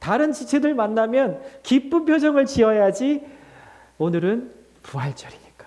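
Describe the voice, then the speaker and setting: A man speaks at an extremely high pitch, fairly slowly, with long, frequent pauses. There is audible room echo. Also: lively intonation. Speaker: pastor. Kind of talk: sermon.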